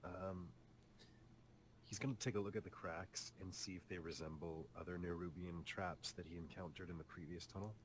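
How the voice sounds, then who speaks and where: A man playing a tabletop roleplaying game, describing his character's actions in the third person with deliberate phrasing. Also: low-pitched, steady tone. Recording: clear background noise on mic.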